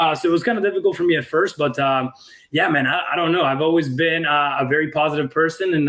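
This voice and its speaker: Someone with a Spanish accent speaks at a fairly quick pace with ordinary pitch variation. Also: man. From Colombia (Bogota), moved to Florida at nine. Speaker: real estate investor. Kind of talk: podcast interview. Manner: halting, many repeated words and fillers.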